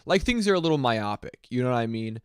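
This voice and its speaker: A man's voice: mid-range voice, sing-song, fast talker, clean tone, no room sound, studio quality. A man in his twenties chatting casually on a music livestream, rambling and reflective with many fillers. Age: 20s. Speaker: music streamer.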